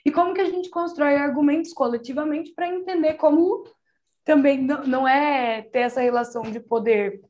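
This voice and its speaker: A woman's voice: sits high, fairly quick, a little mellow, lo-fi sound. A woman hosting an interview, affirming and engaged as she responds to her guest. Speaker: interview host. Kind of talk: conversational interview.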